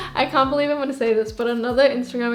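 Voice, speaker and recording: A woman's fairly high voice amid audible room echo and noticeable background noise. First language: not English. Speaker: lifestyle YouTuber. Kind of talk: casual vlog talk to camera. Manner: animated.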